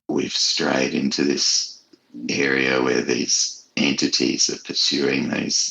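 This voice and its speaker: A man talking reflectively as a guest author in a casual interview, thoughtful and halting as he searches for words. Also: very deep voice, gravelly, bright, forceful tone, low-quality recording. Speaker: horror author being interviewed.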